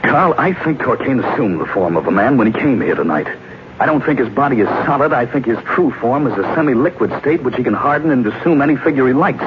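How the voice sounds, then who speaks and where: A man's voice: mid-range voice, expressive, fast, lightly acted. An actor playing a grave, alert man facing alien invaders in a 1950s radio drama, speaking with earnest, dramatic emphasis. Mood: concerned, earnest. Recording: muffled, noisy old radio recording.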